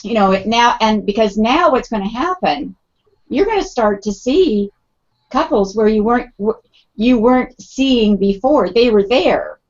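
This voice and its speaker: A woman's voice: on the high side, expressive, unhurried. A middle-aged woman talking in a casual panel discussion, chatty and full of fillers, acting out quoted thoughts. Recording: muffled lo-fi audio.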